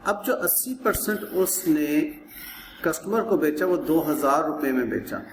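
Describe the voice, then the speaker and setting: A Pakistani man gives a classroom lecture in a slightly high voice, taking his time over each step. He is didactic, restating points and putting questions that he answers himself. The recording is roomy and echoing, with noticeable noise. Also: lively intonation, measured pace. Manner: didactic, repeats points and asks rhetorical questions. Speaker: accounting teacher. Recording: roomy echo with clear background noise.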